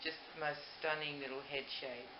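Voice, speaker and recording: A woman's voice: sits low, steady tone, fairly quick. An older woman chats casually to camera as a doll maker, gushing and rambling, in a home recording. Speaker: doll maker and video host. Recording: roomy, muffled, noisy home recording.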